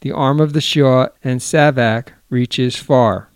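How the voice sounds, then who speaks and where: A man reading the part of a broken, secretive elderly exile with a low, hoarse voice. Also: steady tone, slow pace, no echo, lightly acted. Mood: grave.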